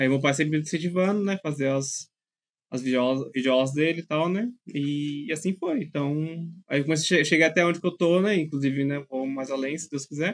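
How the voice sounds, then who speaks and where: Here a man speaks at a fairly high pitch. His pace is fairly quick, with ordinary pitch variation. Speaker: film and TV editor. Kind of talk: interview. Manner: halting.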